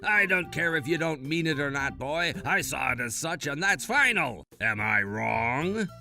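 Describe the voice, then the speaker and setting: A man's voice: a little high, lively intonation, unhurried, vocal fry, pushed and bright, soft background music, exaggerated voice. A man voicing a spiteful, crude bully of a boss who sneers and cackles. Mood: sneering.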